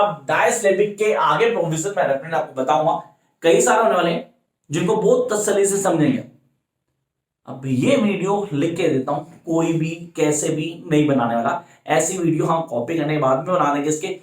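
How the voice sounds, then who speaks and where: A man teaching an exam-prep lecture. He poses student questions and answers them himself, and he repeats key phrases slowly for emphasis. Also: on the high side, reverberant.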